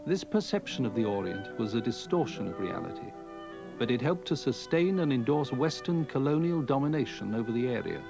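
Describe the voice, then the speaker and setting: A man giving a measured, formal scripted narration for a documentary. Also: medium pitch, big pitch swings, gravelly, over music.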